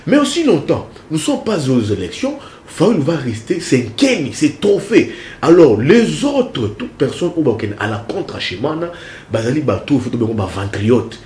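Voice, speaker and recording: A man's voice: mid-range voice, sing-song, normal speed, hardly any pauses, darkish tone. A man from the Congo speaking French with a Congolese accent, answering as a political analyst in an emphatic way and repeating his key phrases. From Central Kongo, DR Congo. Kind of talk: animated interview answers. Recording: echoey room with faint noise.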